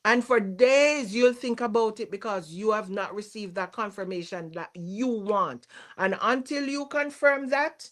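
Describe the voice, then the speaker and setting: Bright-toned woman from Jamaica. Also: medium pitch, measured pace. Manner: steady, explains her view patiently. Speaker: co-host. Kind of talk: casual live-stream chat.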